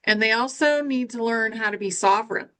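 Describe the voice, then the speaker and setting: A woman's voice: fairly high pitch, fairly quick, fairly bright tone. A woman co-hosting a casual conversation, speaking in an earnest, easygoing way. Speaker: co-host. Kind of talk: casual chat.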